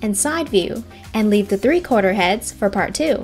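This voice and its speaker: A woman talks with lively intonation. Music can be heard behind her. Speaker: drawing tutorial artist. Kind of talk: tutorial narration.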